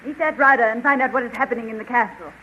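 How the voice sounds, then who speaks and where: A woman's voice: fairly high pitch, rapid-fire, pushed and bright. An actress playing a proud, commanding queen in a formal, dramatic 1930s radio serial. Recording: noisy, muffled 1935 radio recording.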